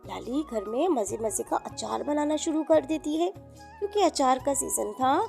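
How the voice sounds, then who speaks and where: A woman's voice: high-pitched, expressive, normal speed, gravelly, a little mellow, faint music behind. A woman narrating a children's moral story in an informal, explanatory way.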